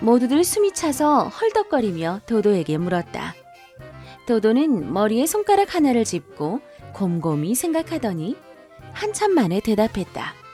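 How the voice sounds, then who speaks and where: Music plays behind a woman with a fairly high pitch. Her pitch swings very widely as she talks at a fairly slow pace. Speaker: voice actor audiobook narrator. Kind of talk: audiobook narration of a children's classic.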